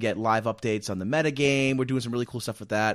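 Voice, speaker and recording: The recording is very clean and the background silent. A man speaks very fast. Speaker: podcast host. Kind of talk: casual debate.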